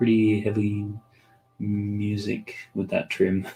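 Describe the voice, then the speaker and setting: The speaker has an Australian accent. Music plays in the background. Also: man. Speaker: live artist and streamer. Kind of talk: casual livestream chat while drawing. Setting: livestream.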